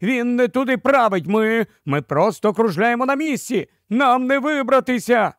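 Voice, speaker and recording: Man doing fearful rowers: high-pitched, lamenting outcries. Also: lively intonation, normal speed, fairly bright tone, no echo, clean studio sound, heavily acted. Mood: panicked. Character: panicked male ship's rowers.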